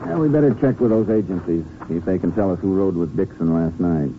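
An actor playing a steady, laconic Texas Ranger in a 1950s radio drama, matter-of-fact and businesslike. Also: male voice, sits low, quick pace. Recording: noisy, narrow-band old radio recording.

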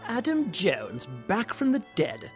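A man's voice: sits high, wildly swooping pitch, slow, faint music behind, exaggerated voice. A man playing theatrical kitchen figures, rival and underling, in a melodramatic, arch audio play parody. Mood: sneering.

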